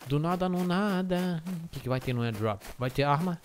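A man with an Algerian accent commentates his gameplay on a gaming mic, loud and excitable, often shouting. His voice sits a little high and swings widely. A faint hiss sits under the recording. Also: normal speed. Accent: Algerian, Arabic and French mix. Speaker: gaming YouTuber. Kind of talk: let's play commentary.

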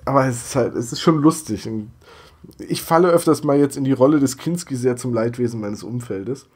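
Ein leicht erkälteter Mann plaudert als Co-Host eines Podcasts, erzählt ausführlich und lacht. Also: male voice, medium pitch, fairly quick, darkish tone, slightly rough. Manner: chatty, laughs, imitates voices. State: slightly congested from a cold. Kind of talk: casual podcast chat.

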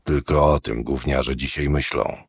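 An actor playing a menacing, irritable old male killer in a horror audiobook, grumbling in a low voice. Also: a little slow, creaky, slightly rough, no echo, full character voice. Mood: gruff, irritated.

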